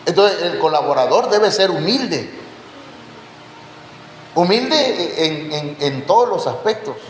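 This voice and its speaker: Male preacher, slow unhurried delivery with a raised pitch, quizzes the flock, roomy hall reverb with a faint background hiss. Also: expressive. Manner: quizzes the congregation with questions; addresses listeners as brothers. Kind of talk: Bible teaching sermon. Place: church hall. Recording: echoey church hall, faint background noise.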